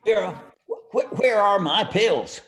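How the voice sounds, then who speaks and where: A man's voice: high-pitched, lively intonation, a little slow, fairly bright tone, faint music behind. An actor playing a cranky, forgetful old male jeweler, stammering and querulous in campy noir radio style. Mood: irritated.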